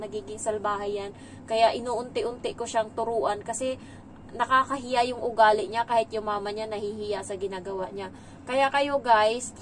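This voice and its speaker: A woman's voice: a little high, a little hiss or hum, poor audio. A woman from the Philippines working as a domestic helper, chatting casually in a vlog, mixing in English and laughing between stories.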